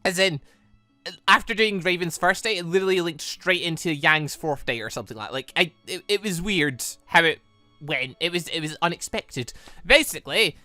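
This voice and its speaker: A man's voice: a little high, moderate pace, pushed and bright, no echo, soft background music. A man hosting a gaming series with casual let's-play commentary, rambling and hesitant as he thinks aloud.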